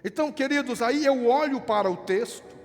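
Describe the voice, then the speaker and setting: A man's voice: very high voice, normal speed, darkish tone, long reverb tail. A male pastor with a southern Brazilian accent preaching a sermon in a conversational, storytelling manner, acting out the dialogue. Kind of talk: sermon with anecdotes. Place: church.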